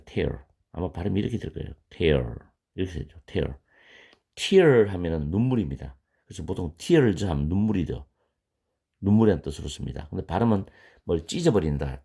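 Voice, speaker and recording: A man with a very low, gravelly voice teaches an online English grammar lesson. His tone is dark and a little husky, and he speaks English words with a Korean accent. He patiently repeats key words slowly so they can be practiced.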